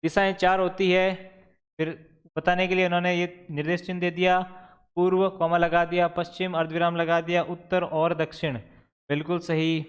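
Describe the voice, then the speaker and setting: A male teacher with a high, smooth, resonant voice explains exam answers one by one. He poses questions to his students and answers them himself, in a patient lecturing way. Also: flat delivery, moderate pace. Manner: explains step by step, asks and answers own questions.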